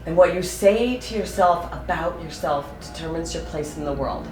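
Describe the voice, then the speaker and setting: A woman's voice: on the low side, normal speed, roomy sound, faint music behind. A middle-aged woman counselor explaining a self-talk exercise to a couple, emphatic and teacherly.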